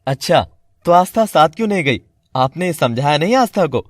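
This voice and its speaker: A man's voice: on the high side, expressive, normal speed, no room sound, studio quality, close to an everyday voice. A man voicing a young husband who speaks firmly and matter-of-factly. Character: young husband, firm and defiant. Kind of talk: Hindi family drama voice acting.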